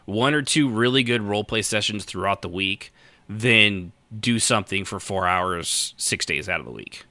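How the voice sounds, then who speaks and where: A man's voice: on the low side, normal speed, bright, forceful tone, no room sound. A man hosting a casual talk show, rambling along in a wry, mildly profane way. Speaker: podcast host.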